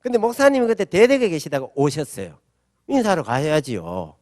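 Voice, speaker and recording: A middle-aged man pastor, preaching a sermon with animated storytelling and asking the congregation for answers. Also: on the high side, a little fast, no echo, clean studio sound. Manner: animated storytelling with acted-out quotes; asks the audience call-and-response questions.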